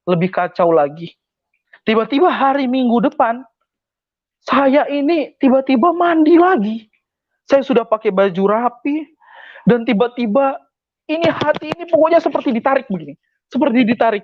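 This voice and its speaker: A young man with a notably high voice tells his personal conversion testimony with emphasis, circling back to repeat key phrases. The sound is dull and lo-fi, with a close, dry feel and no room echo. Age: young adult. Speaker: testimony speaker.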